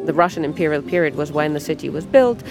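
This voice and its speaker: A woman from Ukraine, an anthropologist explaining calmly in an interview while driving. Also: low voice, fast talker, over loud music. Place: in a moving car. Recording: loud car noise.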